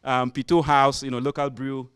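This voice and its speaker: Ghanaian man, smooth measured voice. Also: mid-range voice, little pitch movement, fairly bright tone, no room sound. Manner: measured, illustrative storytelling. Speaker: audience member. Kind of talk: explanatory comment in a panel discussion. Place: conference room.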